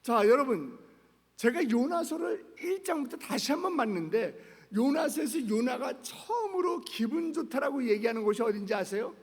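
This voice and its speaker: A male pastor preaching a sermon with passion, asking his congregation questions and swinging from loud to hushed. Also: extremely high pitch, sing-song, moderate pace, husky. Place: church sanctuary. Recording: long reverb of a large church hall.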